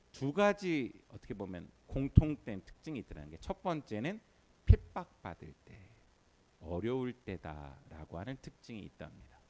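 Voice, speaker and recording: A man's voice: mid-range voice, darkish tone. A man preaching a Sunday sermon as pastor, leading the congregation in call-and-response. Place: church sanctuary during worship.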